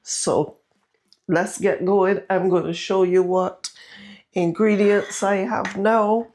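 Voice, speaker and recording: A woman with a Barbadian accent and a naturally husky voice, raspier than usual from a sore throat, chatting to viewers as she cooks in her home kitchen. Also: mid-range voice, fairly even intonation, slow, darkish tone. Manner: chatty, talks straight to viewers. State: raspy, irritated throat. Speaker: home cooking vlogger. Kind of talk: casual recipe vlog.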